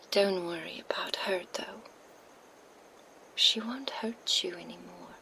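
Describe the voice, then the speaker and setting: A woman's voice: fairly low pitch, creaky, full character voice. A woman whispering as a taunting vampire. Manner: soft unvoiced whisper, slow and taunting. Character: cold, menacing female vampire enforcer. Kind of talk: ASMR roleplay, whispered. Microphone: binaural microphone.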